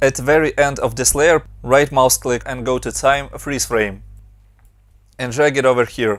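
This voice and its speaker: At a moderate pace and with fairly even intonation, this is a plain, everyday voice. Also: man. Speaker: motion designer, video tutorial creator. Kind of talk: software tutorial.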